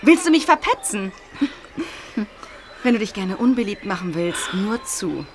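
A woman's voice: mid-range voice, sing-song, measured pace, a little hiss or hum. A woman playing a self-assured teenage schoolgirl in a radio play, breezy and mocking in tone. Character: cocky teenage schoolgirl running a betting game.

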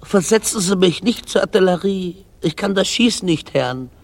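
A man voicing a whiny, anxious man who pleads and complains in a high voice. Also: expressive, normal speed. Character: anxious, complaining recruit and buyer.

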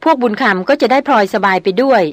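A woman's voice: sits high, quick pace, no echo, pitched above the performer's own voice, close to an everyday voice. A woman voicing a curious, composed young woman who asks probing questions in an audiobook. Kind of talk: audiobook character reading.

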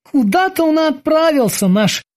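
A man voicing a sleepy, fretful bosun who talks in high, anxious exclamations. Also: very animated, moderate pace.

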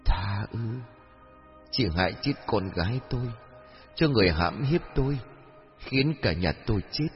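A man doing a hushed vengeful female ghost. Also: fairly low pitch, animated, moderate pace, pauses often, close to an everyday voice. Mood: coldly vengeful. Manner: cold, hushed, menacing. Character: vengeful ghost of a young woman. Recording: dull lo-fi audio, faint music.

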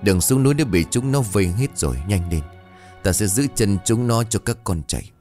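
A man's voice: lowish voice, fairly quick, warm tone, soft background music, close to an everyday voice. A man doing a fierce old village mother. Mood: urgent. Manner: urgent hissing whisper, hard commands.

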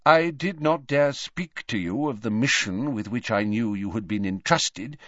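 A man's voice: medium pitch, expressive, unhurried, a bit bright, no echo, dull audio. A man voicing a frail old male headmaster wizard who speaks lightly and courteously. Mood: gentle.

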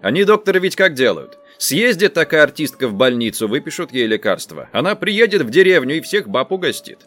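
A stern old village medic, played by a male reader, solemn and emphatic, scolding in a raised, firm voice. His voice rises and falls in a lively way over a faint bed of music, like a storybook reading. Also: fairly high pitch, a little fast, pitched above the performer's own voice. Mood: knowing.

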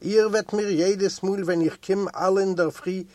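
A man playing a soft-spoken fatherly old doctor. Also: high voice, fairly even intonation, moderate pace, dry recording, close to an everyday voice. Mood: reassuring. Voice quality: soft, mild. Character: gentle fatherly gray-bearded prison doctor.

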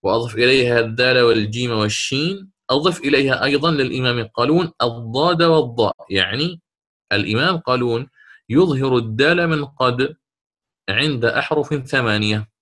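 A man's voice: mid-range voice, fairly quick, fairly bright tone. A man teaching a class on Quran recitation rules, questioning his students and explaining each rule step by step.

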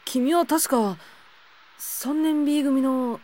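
A woman playing a considerate, easygoing high school boy in an audio drama, speaking casually and reassuringly. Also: extremely slow, warm tone, slight background noise. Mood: surprised, considerate. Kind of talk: Japanese audio drama acting.

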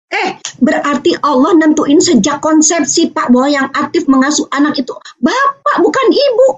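A woman's voice: high voice, normal speed. A woman from Aceh gives a parenting seminar talk, telling a personal story and acting out the voices in it, at times becoming tearful. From Aceh, Indonesia. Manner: animated, acts out quoted voices, turns tearful. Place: online video seminar. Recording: muffled lo-fi online meeting audio.

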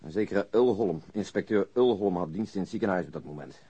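An actor playing a matter-of-fact police detective in a radio drama, explaining things plainly. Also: male voice, low voice, animated, a little fast, warm tone, husky, lo-fi sound. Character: male police detective, matter-of-fact, defends his findings. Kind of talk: Dutch radio drama dialogue.

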